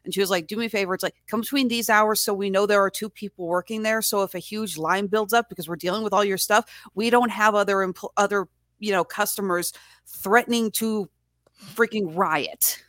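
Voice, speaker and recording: A woman's voice: mid-range voice, brisk, fairly bright tone, no room sound, clean studio sound. A woman in casual podcast chat, telling anecdotes in a chatty way. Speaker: podcast guest co-host.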